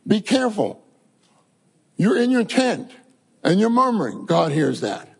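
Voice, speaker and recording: Man, sermon, husky voice, animated storytelling preacher. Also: high-pitched, measured pace, long reverb tail. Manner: animated storytelling, addresses congregation as saints.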